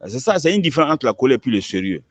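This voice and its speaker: A man's voice: medium pitch, big pitch swings, racing. A man, an imam, answering questions in an emphatic preaching manner, repeating words as he builds each point. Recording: dull lo-fi recording.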